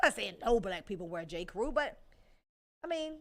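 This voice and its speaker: A woman talks in an animated tone at a fairly high pitch. Her voice makes very wide pitch swings. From Texas. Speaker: talk radio host. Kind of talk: casual commentary monologue.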